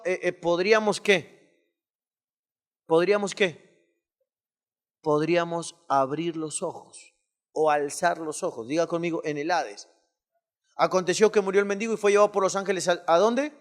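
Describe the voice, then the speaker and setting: A man preaching a sermon, calling on the congregation to repeat his words and reading scripture quickly. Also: sits high. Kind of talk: call-and-response sermon.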